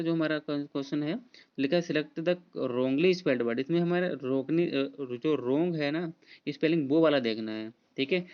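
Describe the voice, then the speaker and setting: A man with a fairly high, clean-toned voice walks through a spelling quiz in a casual exam prep lesson. He spells words letter by letter and uses lots of fillers, and the recording sounds dull and lo-fi.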